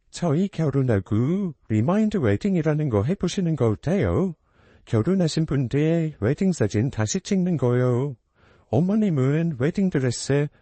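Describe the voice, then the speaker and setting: A cheerful young bride-to-be in a storybook drama, voiced by a man. She speaks politely and brightly to her elders, with a mellow, dry sound. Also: on the high side, no room sound. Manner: polite, suggesting.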